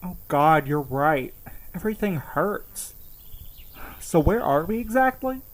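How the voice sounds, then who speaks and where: A man's voice: a little high, sing-song, takes it slowly. A man playing an exhausted, wry mail carrier in a naturalistic audio drama, talking in a weary, dry way. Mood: sore, groggy. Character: battered, exhausted young male mail carrier, wry and evasive.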